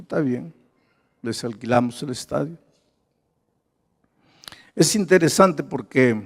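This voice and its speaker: An older man, a pastor, telling stories in a sermon with animated delivery, acting out the people he quotes. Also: medium pitch, gravelly. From Peru. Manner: animated storytelling, acts out quoted voices. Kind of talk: sermon storytelling. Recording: long reverb of a large hall.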